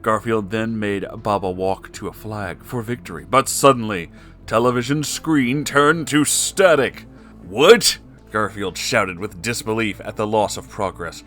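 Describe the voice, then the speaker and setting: Low, bright-voiced man reading stories theatrically. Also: moderate pace, faint music behind. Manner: theatrical, emphatic. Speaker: host and story reader. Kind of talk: comic dramatic story narration with amused asides.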